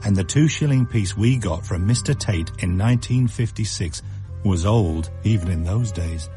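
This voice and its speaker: A man narrating a radio story in an expressive, varied way. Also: lowish voice, normal speed, faint music behind. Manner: expressive, shifts pace for effect.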